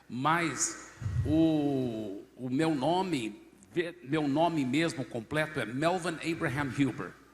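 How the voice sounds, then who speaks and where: A man's fairly high voice, very slow, with ordinary pitch variation. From Brazil, raised by American missionary parents. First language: English (speaking Portuguese). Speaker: pastor. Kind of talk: podcast interview.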